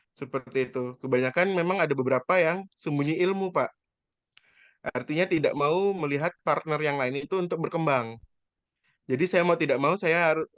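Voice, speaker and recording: A man in his thirties giving an informal guest lecture about his own experience, earnest and hesitant, with drawn-out fillers and polite address to his listeners. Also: a little high, dry recording, lo-fi sound. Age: 30s.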